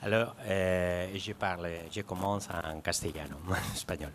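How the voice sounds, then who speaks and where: Here a man's very deep, low voice moves at a very slow pace. His intonation is fairly even. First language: Spanish (speaking French). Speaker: film critic, event moderator. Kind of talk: live talk introduction. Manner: halting.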